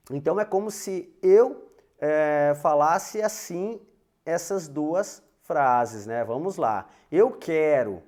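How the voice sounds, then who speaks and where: A man's voice: a little high, a little mellow. A Portuguese-speaking man teaching an English grammar lesson, having students repeat phrases after him and tagging lines with "né?" and "alright?".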